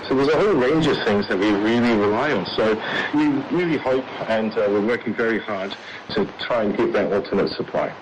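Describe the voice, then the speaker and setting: A man's voice: fairly low pitch, a little fast, background noise. A male executive explaining things as an interview guest, heard on a muffled shortwave radio broadcast.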